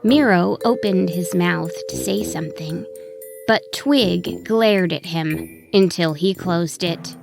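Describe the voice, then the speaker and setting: A woman narrating a scripted children's story in an expressive, deliberate way. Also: on the low side, gravelly, music in the background.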